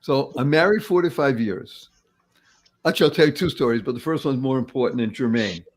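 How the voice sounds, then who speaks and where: A man in his seventies hosting a podcast conversation, animated, laughing often and repeating words as he talks. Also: mid-range voice, a little fast, poor audio. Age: 70s. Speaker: podcast host.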